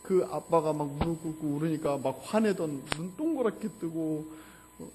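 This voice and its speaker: Male pastor, 40s, personal-story sermon; quiet intimate delivery with bursts of passion, faint background music. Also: normal speed. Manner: emotional storytelling, mostly low and hushed, rising to loud fervor. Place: church sanctuary.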